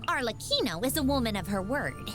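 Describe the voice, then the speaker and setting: A woman's voice: fairly high pitch, very animated, a little fast. An actress playing a proud young woman inventor in a video game, haughty and sardonic yet composed. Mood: measured, respectful. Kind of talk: video game character voice lines. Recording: background music.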